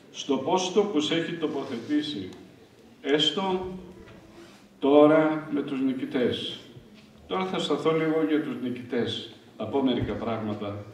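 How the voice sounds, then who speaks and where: A man delivers a heartfelt tribute, his words halting as emotion catches in his throat. He is picked up from a distance in a very reverberant hall, with faint noise underneath. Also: mid-range voice, darkish tone. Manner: halting, choked with emotion, pausing and clearing throat. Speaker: speaker giving a tribute. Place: hall at a church dinner gathering.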